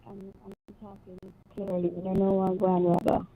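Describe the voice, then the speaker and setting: A radio call-in caller with a Jamaican accent whose voice comes through muffled and low, as if through a wall, talking down in the throat. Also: monotone, a little fast. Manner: talks down in the throat. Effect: muffled, low voice as if heard through a wall. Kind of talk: casual phone-in chat.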